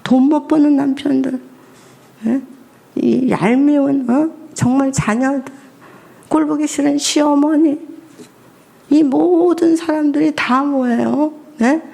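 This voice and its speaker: Gravelly-voiced woman preaching. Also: high voice, slow pace, long pauses. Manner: lively, asks the congregation questions. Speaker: missionary and family counselor. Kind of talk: sermon at a Friday prayer meeting.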